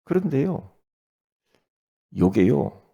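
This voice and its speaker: A man preaching an early-morning sermon as pastor, talking with lively swings and often asking his listeners questions. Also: mid-range voice, extremely slow, creaky, breathy edge, muffled recording. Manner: animated preaching, rhetorical questions to the congregation.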